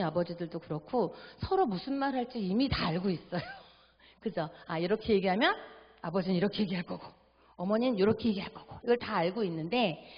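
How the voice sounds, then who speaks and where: Middle-aged woman, seminar lecturer, animated, acts out dialogue, echoey church hall, dull recording. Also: medium pitch. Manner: animated, acts out family dialogue, asks audience for agreement. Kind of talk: church family seminar talk.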